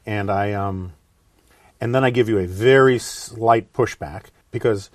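A man hosting a podcast, chatty and relaxed with many fillers. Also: on the low side, no room sound. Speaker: podcast host. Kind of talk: casual podcast interview.

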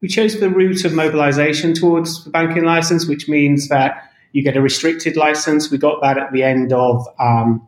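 Man, bank executive, interview answers, echoey room, measured. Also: on the high side, fairly even intonation, a little hiss or hum. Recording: roomy echo.

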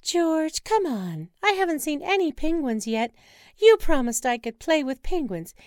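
A woman voicing an excitable, gushing wife who loves penguins. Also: high-pitched, a little slow, dry recording, studio quality, pitched above the performer's own voice. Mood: excited. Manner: gushing, squealing, giddy. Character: excitable penguin-loving middle-aged wife.

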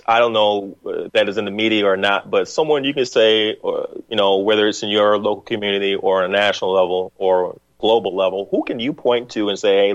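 Low-voiced man hosting call-in radio. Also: no echo, highs cut off. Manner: measured, reflective, hums along with the caller. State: feeling ill. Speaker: radio talk show host.

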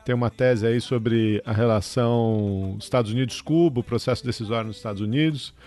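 A man's voice: medium pitch, brisk, a little mellow. Cheerful male podcast host. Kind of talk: casual podcast hosting.

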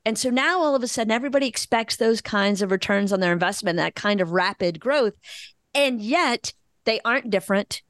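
A woman's voice: fairly high pitch, animated, brisk, a bit bright, no room sound, clean studio sound. A woman co-hosting a podcast, asking wry, direct questions. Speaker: podcast co-host. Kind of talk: podcast interview.

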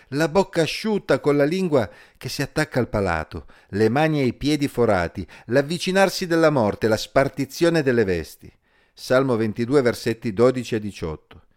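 A man calmly reading scripture and giving a measured Bible commentary as the host of an episode series. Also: mid-range voice. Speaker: Bible teacher.

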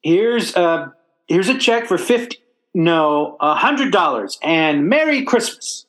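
An actor playing an excitable, blustery but easily cowed working man in old-time radio comedy style. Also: high-pitched, slow pace, heavily acted. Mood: nervous. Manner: excitable, blustery, stammering under pressure. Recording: roomy, echoing recording.

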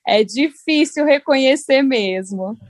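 A woman's voice: high-pitched, animated, slow, no echo, clean studio sound. A woman from Brazil with a Brazilian accent, chatting casually as an interview guest and often seeking agreement. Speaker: podcast guest.

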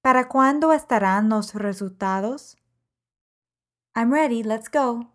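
A woman with a slightly high voice teaches a language lesson podcast. She reads example sentences in measured, carefully enunciated phrases, keeping the lesson slow and clear.

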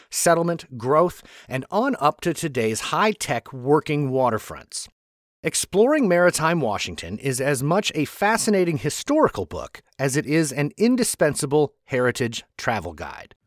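A man's voice: mid-range voice, dry recording, clean studio sound. A man hosting a podcast, reading a history narration with chatty asides. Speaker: podcast host and author.

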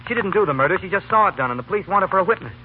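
Earnest young american college student, kinda high voice, halting slangy talk, crackly old 30s radio sound. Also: male voice, lively intonation, phone-quality sound. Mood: urgent, earnest. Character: earnest, boyish male law student helping a girl. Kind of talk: 1930s radio comedy acting. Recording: thin, noisy 1930s radio broadcast.

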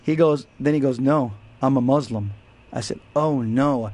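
A man's voice: medium pitch, a little slow, a little mellow. A man co-hosting a Catholic radio talk show, telling stories and teaching in an earnest, emphatic way.

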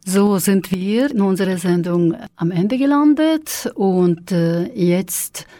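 A woman's voice: mid-range voice, slow pace, warm tone, dry recording. A woman hosting a community radio show in a hesitant way with many fillers. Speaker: radio host.

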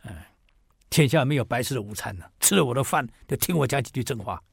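Male history host, dramatic storyteller, middle pitch, dry studio sound. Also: expressive, gravelly, slightly rough, no room sound. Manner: theatrical, swinging between loud emphasis and soft drawn-out asides.

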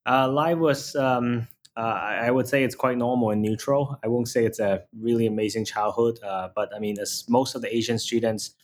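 A man's voice: mid-range voice, fairly even intonation, normal speed, few pauses. A man in his thirties from Hong Kong, a startup founder answering interview questions hesitantly with many "uh" fillers.

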